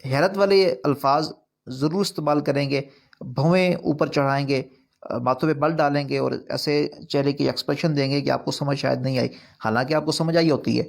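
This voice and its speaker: A man with a slightly high, steady and gravelly voice teaches an online recitation course. He explains points earnestly, repeating them with mounting emphasis, and Urdu is not his native language.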